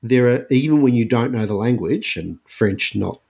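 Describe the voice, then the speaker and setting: A man's voice: mid-range voice, animated, moderate pace, gravelly, a little mellow. An Australian man co-hosting a book podcast, speaking with emphatic enthusiasm and frequent restarts. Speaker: podcast co-host, critic. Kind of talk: casual book discussion.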